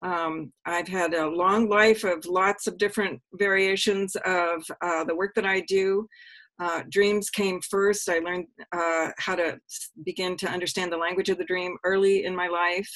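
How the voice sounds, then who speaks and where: A woman psychologist introducing herself on a video call, speaking hesitantly with pauses and restarts. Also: lowish voice, steady tone, a bit bright. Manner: hesitant, many fillers and restarts. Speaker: guest co-host, depth psychologist.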